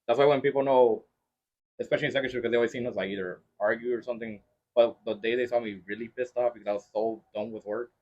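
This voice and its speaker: Man, fast talker, casual podcast host, curses a lot, slips into Spanish, slightly dull lo-fi sound. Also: medium pitch, steady tone, a little mellow. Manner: swears freely, mixes Spanish into English. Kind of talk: casual chat.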